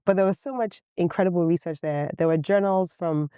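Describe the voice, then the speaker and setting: A woman's voice: fairly low pitch, fairly quick, warm tone, clear, resonant tone, no echo, studio quality. A woman whose first language is Yoruba, an author talking articulately in an interview and often saying "you know". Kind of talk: conversational interview.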